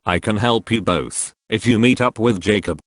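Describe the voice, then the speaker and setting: A man's voice: lowish voice, moderate pace, no echo, clean studio sound. A man reading social media posts aloud, speaking every handle and symbol out literally.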